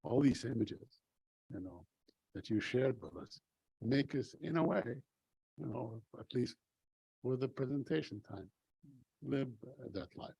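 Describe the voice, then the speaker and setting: An older man moderating a public conversation, asking questions in a measured, reflective way with frequent fillers. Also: mid-range voice, expressive, creaky, mellow, husky, no room sound, rough recording. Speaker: host, interviewer.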